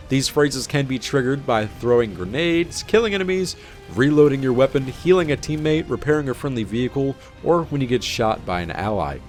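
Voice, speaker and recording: A man's voice: mid-range voice, darkish tone. A man hosting a gaming video, reading scripted update narration in an informal presenter style. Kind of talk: scripted patch-notes narration.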